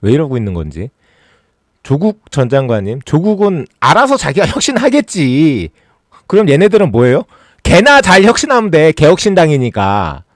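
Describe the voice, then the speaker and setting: A man with a voice on the high side and wildly swooping pitch hosts a casual political livestream at a moderate pace. The recording is dry and studio quality. This political YouTube host talks sarcastically and mockingly, working himself up into exasperated rants.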